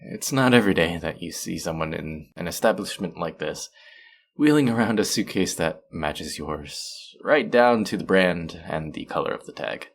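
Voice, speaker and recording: Man acting a deep, gravelly, easygoing young guy. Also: expressive, normal speed, full character voice. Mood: warm, polite. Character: friendly, teasing, bashful young male traveler. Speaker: voice actor in an audio roleplay. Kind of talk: intimate one-sided roleplay acting, conversational.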